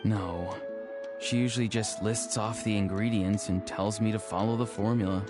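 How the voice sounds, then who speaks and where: A man's voice: fairly low pitch, steady tone, normal speed, natural voice. A man voicing a polite, earnest young tribal dream interpreter in an anime-style video game, explaining things carefully. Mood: casual. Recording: faint music behind the voice.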